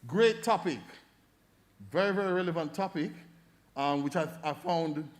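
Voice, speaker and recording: A middle-aged Jamaican man giving feedback as a debate judge, animated and fond of demonstrating voices as he coaches. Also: a little high, moderate pace. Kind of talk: feedback speech to an audience.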